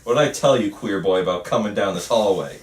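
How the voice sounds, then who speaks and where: A man's voice: lowish voice, fast, close to an everyday voice. Man reading as an aggressive teenage bully, echoey room. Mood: menacing. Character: aggressive teenage bully taunting and shoving a victim. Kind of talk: amateur table read. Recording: echoey room, distant mic, faint noise.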